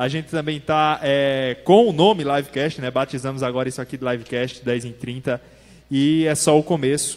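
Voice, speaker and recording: Moderate pace and ordinary pitch variation in a man's fairly high voice, an unremarkable speaking voice. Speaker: podcast co-host. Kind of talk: casual chat. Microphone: too quiet.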